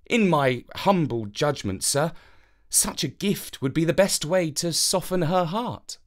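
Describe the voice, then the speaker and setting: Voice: medium pitch, expressive, unhurried, lightly acted. A narrator voicing a charming, humble young male messenger in a fairytale, courteous and deferential. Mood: respectful.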